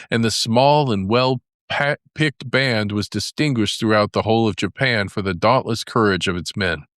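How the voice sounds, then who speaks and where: A man's voice: mid-range voice, fairly bright tone, no room sound, studio quality. A man narrating a scripted fairy tale for young listeners as a storyteller.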